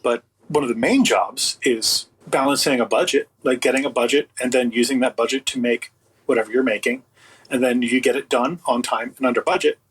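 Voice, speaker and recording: A man with a slightly husky voice speaking as an interview guest in casual, emphatic, opinionated, rambling talk. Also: mid-range voice, fairly even intonation, brisk, a bit bright. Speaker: guest, audio producer and writer.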